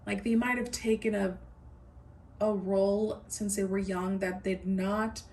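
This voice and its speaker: A woman's voice: mid-range voice, flat delivery, a little slow, a little mellow, recorded from a distance. A woman giving a pick-a-card tarot reading, musing aloud, repeating her phrases and speaking straight to her viewers. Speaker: tarot reader.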